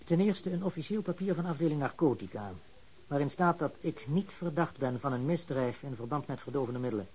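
An actor playing a shrewd small-time crook turned informant in a radio drama, self-assured and bargaining slyly. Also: male voice, a little high, animated, fairly quick, darkish tone, slightly rough, low-quality recording.

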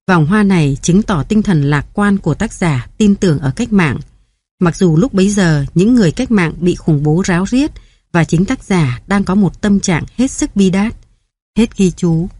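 A woman reading a story aloud in steady, measured audiobook narration. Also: fairly low pitch, no room sound. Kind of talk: scripted narration.

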